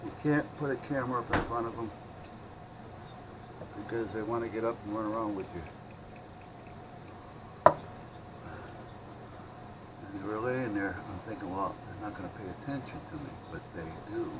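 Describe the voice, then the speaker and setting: A man chatting casually and rambling as he thinks out loud while doing hobby radio repair. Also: lowish voice, normal speed, pauses often. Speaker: hobbyist radio repairer showing his work. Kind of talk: casual unscripted vlog chat while working. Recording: clearly noisy hobby video recording.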